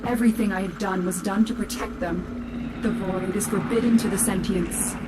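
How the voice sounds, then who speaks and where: Woman playing solemn game guide over loud noise. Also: mid-range voice, fairly even intonation, moderate pace, close to an everyday voice. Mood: grave, protective. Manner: earnest, authoritative. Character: solemn, protective female guide and mission commander. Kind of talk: video game mission guide acting.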